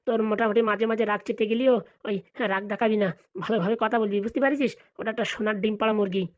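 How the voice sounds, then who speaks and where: A woman's voice: mid-range voice, fairly even intonation, highs cut off, lightly acted. A woman voicing a scheming, money-hungry village father in a comedy cartoon, scolding and bantering. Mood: bossy, bantering. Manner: rapid, colloquial, bantering scolding.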